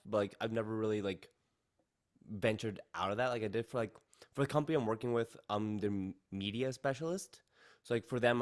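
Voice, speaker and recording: A man hosting a casual podcast, asking excitable, rambling questions of his guest. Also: lowish voice. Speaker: podcast host. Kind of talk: casual interview chat.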